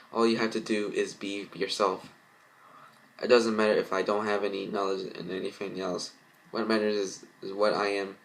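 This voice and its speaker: A gentle, forgiving young sister in a storybook tale, read by a man. The delivery is earnest and plain, and the pitch sits fairly low. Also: creaky, low-quality recording.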